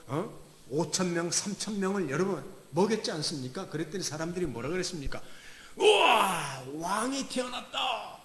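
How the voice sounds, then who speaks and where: A male pastor preaching a sermon, dramatic, dropping to whispers and rising to loud acted quotes. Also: on the high side.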